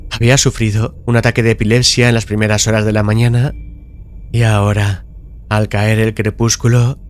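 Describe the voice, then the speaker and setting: A man reads a gothic horror audiobook in a solemn, dramatic manner, phrasing deliberately with pauses. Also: lowish voice, slight background noise. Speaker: audiobook narrator. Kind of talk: dramatic scripted narration of a gothic horror tale. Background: music.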